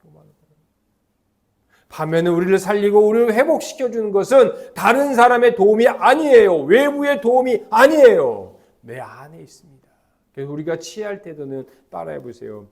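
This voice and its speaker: A middle-aged man preaching a sermon as pastor, emphatic and lively, leading the congregation in call-and-response chants. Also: high voice, normal speed, gravelly.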